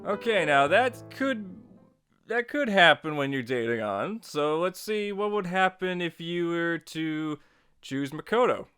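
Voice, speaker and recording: A man hosting a software tutorial, narrating casually in a playful, chatty, wry way. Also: fairly high pitch, lively intonation, measured pace, over music. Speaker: tutorial host.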